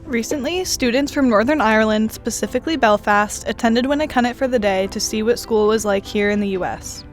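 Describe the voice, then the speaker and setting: A teenage girl narrates a student news segment in an even, read-aloud style. Her voice sits a little high, and soft music plays underneath. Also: fairly quick, few pauses. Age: teens. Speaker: student reporter. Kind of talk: scripted news voice-over.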